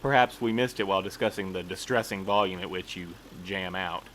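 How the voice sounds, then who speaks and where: A man's voice: low-pitched, a little fast, fairly bright tone, a little hiss or hum. A man acting in an audio drama as a fussy, earnest postal supervisor who speaks in formal, precise language. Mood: prim, disapproving. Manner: formal, precise, prim wording. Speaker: voice actor in a fiction podcast.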